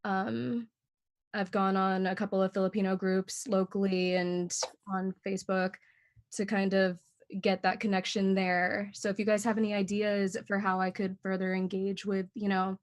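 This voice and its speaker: A woman's voice: medium pitch, flat delivery, normal speed. Friendly young woman on a video call. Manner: friendly, laughs often, many fillers. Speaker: library staff running bilingual story time. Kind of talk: casual meeting update.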